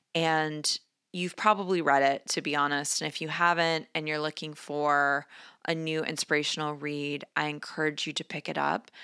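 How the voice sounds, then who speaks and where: With a Southern California accent, a woman speaks in a very deep, low pitch, her tone bright, sharp and animated, in a dry, close sound with no echo. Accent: Valley girl-inflected American English. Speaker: podcast host and tarot reader. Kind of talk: casual chat and tarot reading. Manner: animated, filler-heavy speech.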